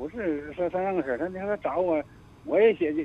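A man speaks with a high pitch. He moves at a fairly quick pace. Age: 50s. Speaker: caller. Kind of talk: call-in advice show. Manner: halting.

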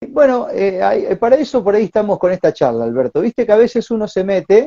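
A man with an Argentine accent, a dark, mellow tone, very wide pitch swings and a fairly quick pace, in a dry, close sound with no echo. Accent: Argentine Spanish (voseo). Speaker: online show host. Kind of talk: interview.

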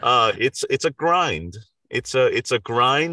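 The recording is very clean, with a silent background. A man speaks in a bright, sharp tone with lively intonation. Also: dry, close sound with no echo. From Korea. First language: Korean. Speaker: voice actor and former theater teacher. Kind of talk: interview, conversational.

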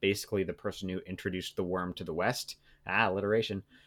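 The background here is silent, and the recording very clean. The speaker is a man. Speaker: podcast host. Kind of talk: casual chat. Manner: excitable.

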